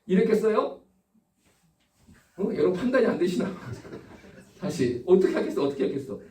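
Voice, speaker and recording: A man's voice: high-pitched, very animated, normal speed, dark tone. A middle-aged man preaching a sermon, telling stories and throwing rhetorical questions at his congregation. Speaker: pastor. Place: church hall. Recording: echoey room, distant from the mic.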